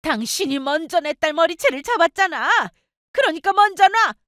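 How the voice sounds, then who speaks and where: A woman's voice: high-pitched, animated, measured pace, a little mellow, dry recording, studio quality, pitched above the performer's own voice. Woman playing a firm middle-aged mother. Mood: angry.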